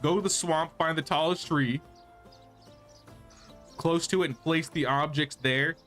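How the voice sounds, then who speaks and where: A man's voice: on the high side, a little slow, a bit bright, soft background music. A man voicing a cryptic, mystical video game quest-giver in a solemn, instructive way. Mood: grave, instructive. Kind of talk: reading game character dialogue aloud.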